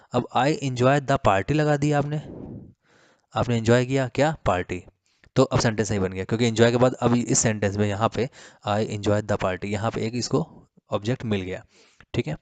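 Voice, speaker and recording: A man with a lowish voice teaches English grammar in Hindi, repeating key words and spelling them out letter by letter. He reads the example sentences slowly and deliberately. The sound is dry and close, with no room echo. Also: darkish tone. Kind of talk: exam-prep grammar lesson.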